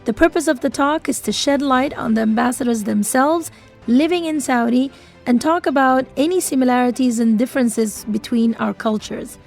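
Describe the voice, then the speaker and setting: A woman hosting a radio interview, asking polite, measured questions. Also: sits high, a little mellow, faint music behind. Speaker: radio host.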